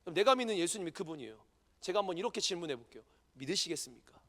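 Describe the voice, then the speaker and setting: Fiery high-voiced male pastor, church reverb. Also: very animated, racing. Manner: impassioned, swings from hushed asides to shouted peaks; asks the congregation frequent questions. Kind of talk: sermon. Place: church hall during a youth service. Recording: echoey church hall with long reverb.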